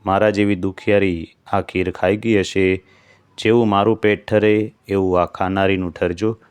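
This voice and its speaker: Man reading as sad young bride pouring out her troubles, pleading, deep smooth voice. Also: little pitch movement, normal speed, dry recording, lightly acted. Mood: sorrowful. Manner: pleading, sorrowful. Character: poor, mistreated young daughter-in-law.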